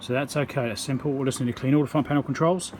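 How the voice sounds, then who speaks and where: In a racing but steady, medium-pitched voice that is a little mellow, a New Zealand-accented electronics repairer shows his work at an indoor bench. His walkthrough is casual, unscripted and matter-of-fact. A little hiss or hum can be heard.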